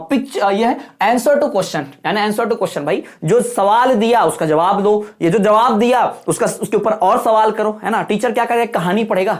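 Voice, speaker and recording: Male teacher, exam-prep lecture; folksy, repetitive, keeps checking that the class follows. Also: high-pitched. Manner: repetitive explaining with frequent rhetorical checks; folksy, addresses viewers as brother.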